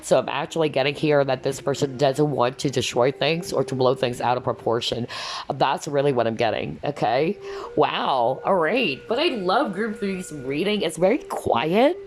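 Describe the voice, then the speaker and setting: A woman giving a casual tarot card reading, rambling and repeating herself, her voice going hoarse from talking for hours. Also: low voice, expressive, normal speed. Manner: rambling, repeats "that's what I'm hearing".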